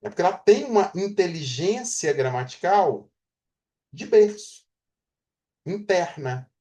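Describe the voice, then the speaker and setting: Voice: medium pitch, expressive, moderate pace, dark tone. A Portuguese teacher giving a grammar lecture, explaining through everyday examples and often checking in with the class.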